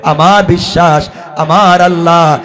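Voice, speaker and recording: A middle-aged man preaching a storytelling sermon, dropping into low narration and rising to high, shouted, chanted peaks. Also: fairly even intonation, slow.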